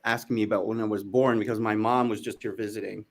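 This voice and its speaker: Man, middle-aged, slightly deep voice, interview guest, casual reflective storytelling. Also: steady tone, fast. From born in Jamaica, raised in New York from age four. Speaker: interview guest, former news anchor.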